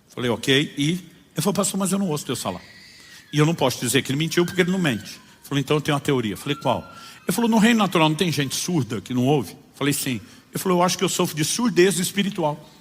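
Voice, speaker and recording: A man's voice: medium pitch, slightly rough, long reverb tail. A Brazilian man preaching as a pastor, telling stories and acting out the dialogues in them. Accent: Brazilian Portuguese. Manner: animated storyteller acting out dialogues. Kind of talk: sermon with storytelling.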